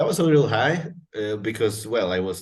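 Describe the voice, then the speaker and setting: The speaker is a man. He talks with a Spanish accent. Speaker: podcast host, nutritionist. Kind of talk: casual interview.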